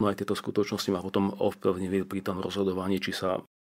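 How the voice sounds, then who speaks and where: With an ordinary speaking voice, a man talks at a fairly quick pace and a fairly low pitch. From eastern Slovakia, Upper Zemplín. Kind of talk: radio interview testimony. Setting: radio studio.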